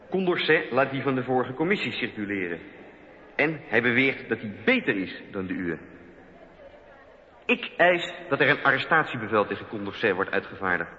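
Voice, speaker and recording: Radio drama: male actor as accusatory French Revolution zealot, animated declamation, long hall reverb. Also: mid-range voice, dull audio, natural voice. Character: accusing Jacobin revolutionary, former monk, demanding arrest. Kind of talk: dramatised political oratory.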